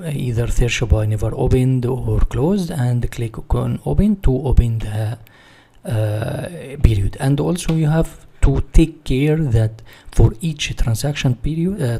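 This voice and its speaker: A man who is a non-native English speaker giving an instructional software walkthrough, explaining step by step and posing questions that he then answers. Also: mid-range voice, unhurried, vocal fry. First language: not English. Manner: didactic, asks and answers own questions. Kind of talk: screen-share software walkthrough, part read from notes.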